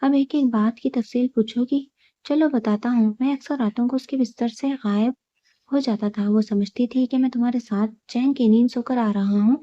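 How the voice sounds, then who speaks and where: Woman reading a cold smug young husband, calm and cutting, mellow tone, dull lo-fi audio. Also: on the high side, no room sound, natural voice. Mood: cool. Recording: dull lo-fi recording.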